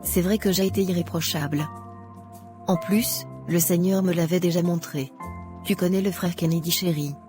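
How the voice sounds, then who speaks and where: A woman's voice: lowish voice, steady tone, moderate pace, natural voice. A woman voicing a self-righteous, impatient young Christian woman in a cartoon, lecturing in a preachy way over music. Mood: smug, gossipy. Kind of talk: scripted cartoon dialogue. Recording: music behind the voice.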